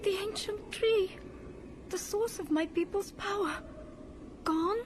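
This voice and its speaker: Earnest, very high-voiced tribal mystic. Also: female voice, slow, background noise. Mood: awed, sorrowful. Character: earnest young tribal woman with untrained mystic powers. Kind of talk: audio drama acting. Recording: music behind the voice.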